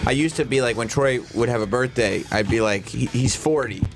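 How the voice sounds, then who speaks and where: A man's voice: mid-range voice, a little fast, creaky, music in the background. A man in his thirties co-hosting a radio show, chatting casually with plenty of fillers. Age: 30s. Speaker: radio co-host. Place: radio studio.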